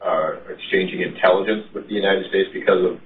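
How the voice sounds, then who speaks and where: Man on thin, bass-less speakerphone. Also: steady tone, brisk. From Arizona. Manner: chatty and questioning. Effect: thin, bass-less speakerphone sound. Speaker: caller. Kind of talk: casual call-in chat. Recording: tinny speakerphone line, distant from mic.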